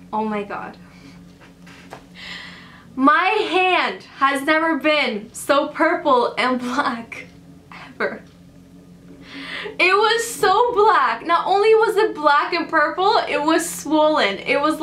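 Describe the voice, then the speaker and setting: Young female vlogger, dramatic storyteller, bright tone, echoey room. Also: high voice, slow pace, a little hiss or hum. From Canada. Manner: dramatic, animated retelling with many fillers. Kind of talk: storytime vlog.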